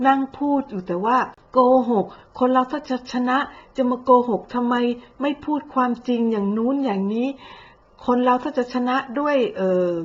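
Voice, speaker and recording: A woman with a slightly high voice delivers sarcastic commentary, blunt and mocking, with coarse slang. The sound is a bit dull and lo-fi. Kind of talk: sarcastic social media commentary.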